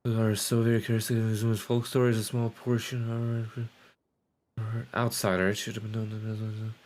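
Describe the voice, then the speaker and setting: A man's voice: lowish voice, flat delivery, normal speed, darkish tone. A man doing casual live game commentary, rambling and sweary, sometimes reading on-screen text aloud. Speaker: game streamer.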